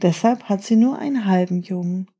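A woman reading a calm wise old sage. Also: mid-range voice, brisk, husky, natural voice.

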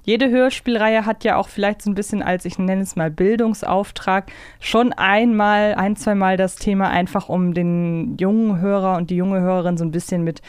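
A woman co-hosts a podcast in a casual, conversational way. Her voice is smooth and clear, and it sounds dry, with almost no room around it. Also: mid-range voice, steady tone, normal speed, few pauses, darkish tone, no room sound. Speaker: podcast co-host. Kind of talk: casual chat with a co-host.

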